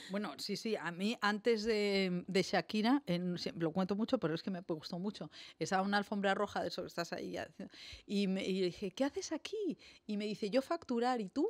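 A woman's voice sits at a medium pitch. She moves at a moderate pace, with ordinary pitch variation. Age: 50s. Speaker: film and TV podcast host, journalist; TV podcast host, journalist. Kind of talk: interview chat. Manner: halting, many fillers. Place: studio. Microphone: studio mic.

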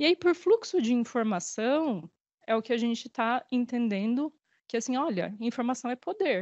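Speaking at a fairly slow pace, a woman has a high-pitched voice, recorded dry with no echo. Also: quiet background. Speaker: researcher; panelist. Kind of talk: conference panel presentation. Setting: stage with audience. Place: hall. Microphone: handheld.

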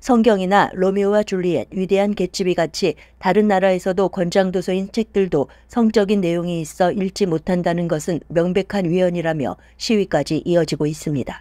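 A woman speaks at medium pitch and a moderate pace, with fairly even intonation, in a plain, everyday voice. The sound is dry and close, with no echo. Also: very clean recording, silent background. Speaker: news presenter and ad announcer. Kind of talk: news reading.

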